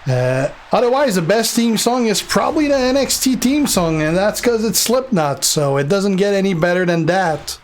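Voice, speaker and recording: Young French Canadian streamer, slightly high voice, loose and rambling, faint hiss in the background. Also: male voice, normal speed, few pauses. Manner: relaxed, rambling with fillers and restarts. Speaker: game streamer answering chat. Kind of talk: casual live-stream chat.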